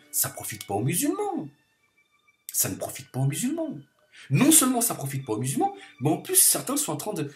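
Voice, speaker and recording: A man delivering an impassioned political monologue to camera, hammering his points by repeating phrases over and over. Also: medium pitch. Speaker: video commentator.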